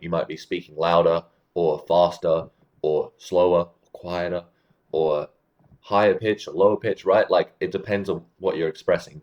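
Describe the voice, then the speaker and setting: A man with a very low voice talks straight to camera, giving laid-back advice on communication. He explains things plainly and keeps checking in with the listener as he goes. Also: highs cut off. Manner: relaxed, explanatory, checks in with "right?". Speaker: communication coach. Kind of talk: casual advice talk to camera.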